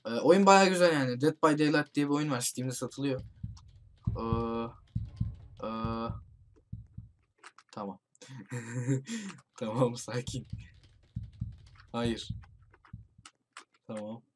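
Man excitedly commentating a horror game. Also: medium pitch, background noise. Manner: hurried, shouts warnings to teammates. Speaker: gaming YouTuber. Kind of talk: excited let's-play commentary with friends.

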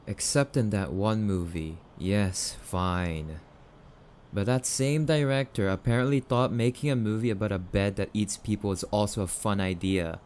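Casting: male actor as sulky, skittish catboy boyfriend for ASMR roleplay, lowish voice, unhurried, noisy recording. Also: a little mellow, natural voice. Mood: teasing, reluctant. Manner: stammering, defensive, sulky. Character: grumpy, easily spooked, affectionate young catboy boyfriend.

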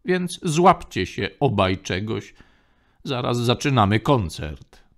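A man's voice: mid-range voice, very animated, takes it slowly. A man voicing a cocky, wry male general in a spoken space story.

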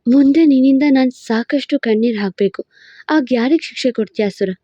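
A sweet young wife who scolds softly and with affection, as a woman reads her. Her voice sits a little high and warm, and the storybook audio is dry and slightly dull. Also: a little fast, no room sound. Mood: tender. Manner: soft, lightly raised, affectionate scolding. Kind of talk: storybook narration with voiced roles.

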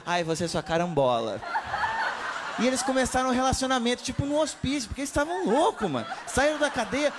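A young man with a Brazilian accent improvising a comic story in slangy, colloquial talk. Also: sits high. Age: young adult. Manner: slangy, tagging sentences with checks. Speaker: stand-up comedy contestant. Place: TV studio stage with live audience. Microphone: handheld. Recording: noisy studio with audience.

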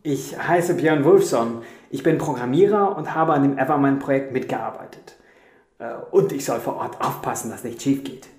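A man's voice: medium pitch, moderate pace, darkish tone, lightly acted. Male actor for hesitant, explanatory programmer in a radio play; mid-range voice, roomy sound. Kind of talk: radio drama dialogue. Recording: roomy echo.

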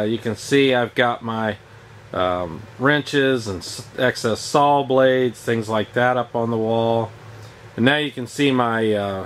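A middle-aged man giving a casual, rambling walkthrough of his home woodshop, pausing often with fillers as he pans the camera around. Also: mid-range voice. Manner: relaxed, rambling, many filler pauses. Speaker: woodworking channel host. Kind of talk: casual shop tour walkthrough. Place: large home woodshop, indoors.

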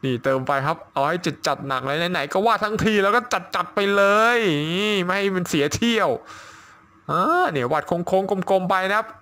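Bright, excitable man teaching drawing. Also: high-pitched, moderate pace. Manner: excitable, exclaims and laughs often. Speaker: drawing tutorial host. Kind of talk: drawing tutorial commentary.

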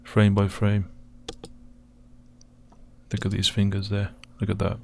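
A man with a croaky voice, talking slowly and hesitantly as he steps through video footage, pausing often with fillers. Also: on the low side, completely flat delivery, slight background noise. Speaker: video host analysing footage. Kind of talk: slow screen-recorded commentary.

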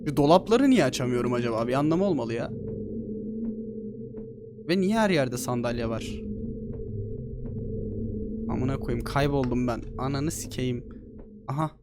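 A man giving excitable, joking let's-play commentary on a horror game, swearing freely. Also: medium pitch, moderate pace, pauses often, music in the background. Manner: excitable, swears a lot, jokey. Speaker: gaming streamer.

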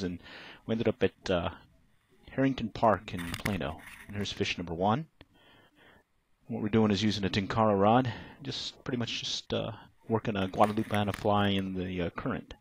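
A man's voice: fairly low pitch, slightly rough. A middle-aged man, narrating his fishing trip in a laid-back, plain-spoken way with lots of uh fillers. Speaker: fishing vlogger. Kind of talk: casual voice-over narration.

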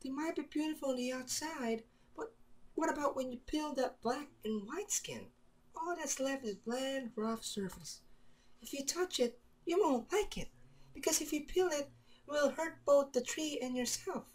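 A man plays a sad young girl from a visual novel. The voice sits high and stays soft. The delivery is gentle, measured and resigned. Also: low-quality recording. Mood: melancholy, resigned.

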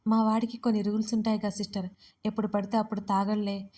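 Woman voicing a friendly young man, chummy, even tone. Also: mid-range voice, fast, lightly acted.

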